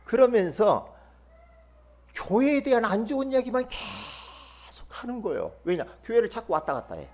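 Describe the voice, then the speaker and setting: A male pastor giving a sermon in a lively, conversational way, often asking the congregation questions. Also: sits high, normal speed. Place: church.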